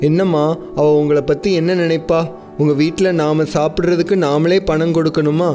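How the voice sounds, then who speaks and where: A man's voice: fairly high pitch, little pitch movement, moderate pace, mellow, soft background music, lightly acted. A young man playing a dismissive grown son. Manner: dismissive and defensive. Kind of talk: radio drama acting.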